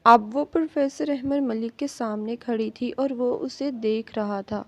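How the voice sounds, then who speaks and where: A woman reading a romance novel aloud with dramatic storytelling. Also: a little high. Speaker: novel reader.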